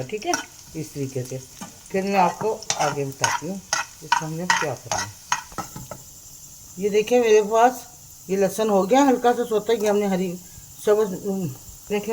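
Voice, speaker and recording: बैठे गले वाली बुज़ुर्ग माँ जैसी औरत. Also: female voice, medium pitch, background noise. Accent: Pakistani Urdu. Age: older. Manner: motherly, calls viewers "beta", repeats "theek hai". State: sore throat, strained voice. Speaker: cooking channel host. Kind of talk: home cooking tutorial. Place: home kitchen at the stove.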